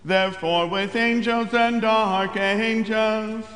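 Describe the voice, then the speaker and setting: A man as presiding minister, slowly and solemnly chanting the liturgy, with a cathedral echo in a large chapel. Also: high-pitched, fairly even intonation, a bit bright. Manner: slow, solemn intoning. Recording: reverberant chapel, faint organ.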